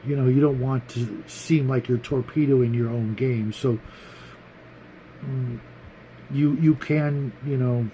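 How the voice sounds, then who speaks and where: A man hosting a tabletop gaming show, talking casually to viewers in a halting way, thinking aloud and repeating words. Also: mid-range voice, fairly even intonation, dark tone, a little hiss or hum, poor audio. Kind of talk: casual, rambling opinion talk to viewers.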